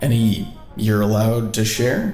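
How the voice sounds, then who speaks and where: A man's voice: fairly low pitch, unhurried, a little mellow, lightly acted. Man acting an easygoing storyteller, roomy sound. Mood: amused, relaxed. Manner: chatty, playful storyteller. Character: easygoing man telling bar anecdotes over dinner. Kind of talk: audio drama dialogue, casual chat. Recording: roomy echo, music behind.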